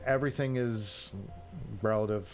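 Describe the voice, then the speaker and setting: A man's voice: lowish voice, steady tone, moderate pace, fairly bright tone, soft background music. A man hosting a casual livestream, chatting with viewers in a self-deprecating, joking way. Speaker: livestream show host. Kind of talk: casual chat answering viewers' live comments.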